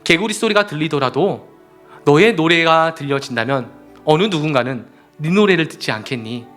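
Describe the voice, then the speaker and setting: A man voicing a caring young prince who gently coaxes his pet bird, in a story told in a sermon. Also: on the high side, expressive, moderate pace, soft background music. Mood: coaxing.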